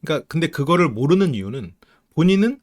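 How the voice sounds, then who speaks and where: A man talks through a reality show episode with a counselor's eye, acting out the quoted family lines as he goes. His voice sits a bit high and moves up and down a lot. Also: fast talker. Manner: animated, acts out quoted lines of family members. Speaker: counseling psychology YouTuber. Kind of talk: casual commentary reviewing a reality show. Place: home studio, live stream.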